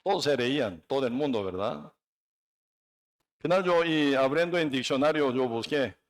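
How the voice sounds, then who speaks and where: A man from Korea preaching a sermon with a Korean accent, non-native and halting in his phrasing, emphatic, with frequent tag questions. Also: medium pitch, animated. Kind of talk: sermon with personal testimony.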